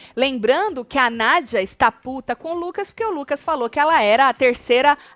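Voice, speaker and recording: The speaker sounds animated, with lively intonation at a moderate pace. The sound is dry and close, with no echo. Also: woman. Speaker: reality show commentator. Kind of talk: casual chat.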